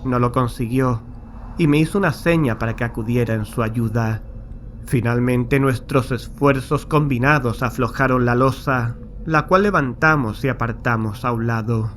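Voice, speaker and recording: An actor playing a haunted, nervous man who recounts a graveyard horror in a solemn, measured, literary way. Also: mid-range voice, fairly bright tone, lightly acted. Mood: grave, uneasy. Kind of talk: scripted horror audiobook narration. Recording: clear background noise and ambience.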